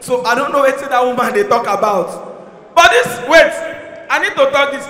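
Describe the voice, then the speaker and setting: A young man with a Nigerian accent performing an animated stand-up set on a handheld mic, shouting punchlines in Pidgin. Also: very high voice, normal speed, background noise. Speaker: stand-up comedian. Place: large concert hall stage. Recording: echoey hall, crowd faintly behind.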